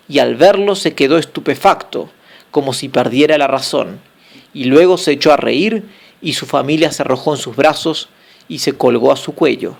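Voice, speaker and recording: A man reading a classic tale aloud as an audiobook, phrase by phrase at a steady pace, with small slips. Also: a little high, gravelly. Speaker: audiobook narrator.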